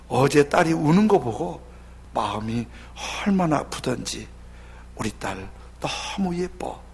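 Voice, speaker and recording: A man voicing a remorseful shy father, soft and low. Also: creaky, husky, exaggerated voice. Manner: soft, halting, apologetic. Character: shy remorseful father writing to his daughter.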